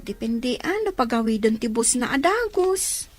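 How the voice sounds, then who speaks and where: A woman's voice: a little high, very animated, moderate pace, soft background music. A Filipino woman playing a chatty aunt in a radio drama, explaining things matter-of-factly. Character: chatty, matter-of-fact aunt answering a child. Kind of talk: Ilocano radio drama acting.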